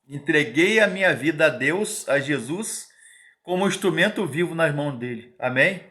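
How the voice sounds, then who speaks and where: A man's voice: on the high side, animated, moderate pace, bright, forceful tone. A man in his fifties giving an informal Bible teaching, emphatic and repetitive, often digressing and adding tag questions. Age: 50s.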